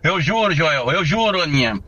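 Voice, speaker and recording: A man's voice: fairly high pitch, very animated, normal speed, sharp tone, muffled recording. A man calling in to a radio show, chatting casually and insisting earnestly on his opinion. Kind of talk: casual call-in chat.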